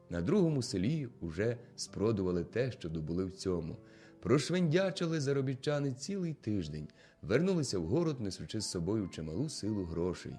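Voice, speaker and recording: A man narrating a classic novel as an audiobook in a steady storytelling manner. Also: lowish voice.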